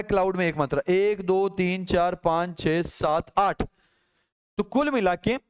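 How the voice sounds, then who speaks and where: Man, English teacher, Hindi-accented English, high voice, smooth clear tone, explains step by step. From Rajasthan, India. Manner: explains step by step, counting on, checking understanding. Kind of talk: classroom lecture.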